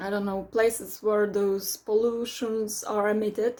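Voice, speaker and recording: In a Polish accent, a woman speaks at a very slow pace. The recording is very clean, with a silent background. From Poland. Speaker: YouTuber. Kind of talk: casual monologue. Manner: halting.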